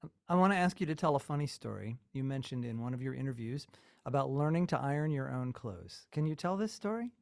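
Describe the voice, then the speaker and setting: A man hosting an interview, asking measured questions and affirming his guest's answers. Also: medium pitch, animated, gravelly, a little mellow, no echo, studio quality. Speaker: interviewer host.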